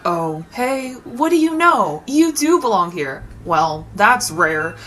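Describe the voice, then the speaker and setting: A woman's voice: medium pitch, sing-song, slow pace, a bit bright, a little hiss or hum. A woman playing a breezy, sardonic game show host with showy announcer patter and mock sweetness in a satirical theater piece. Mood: mock cheerful. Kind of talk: satirical readers theater performance.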